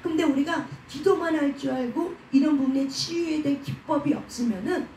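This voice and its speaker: Warm-voiced woman preaching in an echoey hall. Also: high voice, brisk, a little hiss or hum. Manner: asks rhetorical questions and answers them herself; has the congregation repeat after her. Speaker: preacher at a prayer house. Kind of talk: sermon. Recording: echoey room, voice from a distant mic.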